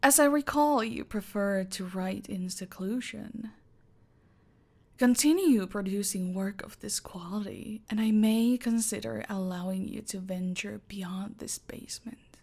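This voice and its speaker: A woman playing a cold, gravelly cartel boss. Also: mid-range voice, a little mellow. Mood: menacing. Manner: slow, measured, imperious, often whispered. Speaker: voice actor in audio roleplay. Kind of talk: ASMR roleplay.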